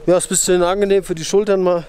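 A young man from Germany chatting casually to his camera outdoors at a mountain camp, relaxed and full of fillers. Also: sits high, racing, slight background noise. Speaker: hiking vlogger. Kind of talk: casual vlog talk to camera.

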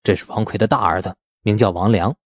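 A man's voice: on the low side, a little fast, no echo, studio quality, pitched below the performer's own voice, lightly acted. A man voicing a practical, easygoing village man with a casual, coaxing way of talking in an audiobook. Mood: informing.

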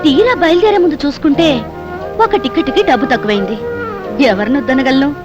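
Film role: female actor as a candid young office worker, brisk. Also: high-pitched, dull audio, over music, natural voice. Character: young working woman, candid. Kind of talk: film drama acting.

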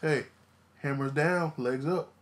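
A man's voice: on the high side, slow. A man co-hosting a casual podcast, talking in a profane, boastful storytelling manner. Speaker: podcast co-host. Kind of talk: casual chat, wrestling podcast banter. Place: garage.

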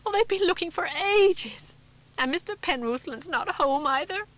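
A woman voicing a frantic farmer's wife who wails high and breathless as she pleads. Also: animated, moderate pace, a bit bright, poor audio. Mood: distraught.

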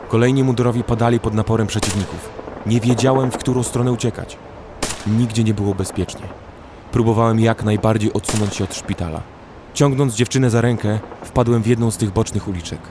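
Male narrator for horror audio story, somewhat deep, dramatic read over light music. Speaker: first-person narrator. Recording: faint music behind.

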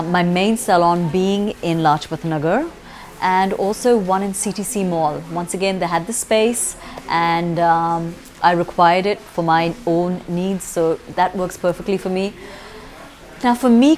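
A woman's voice: on the low side, darkish tone. A woman in her forties, a makeup artist and salon owner, answering interview questions in a chatty way with frequent ums and restarts, recorded on a lapel mic in an indoor studio.

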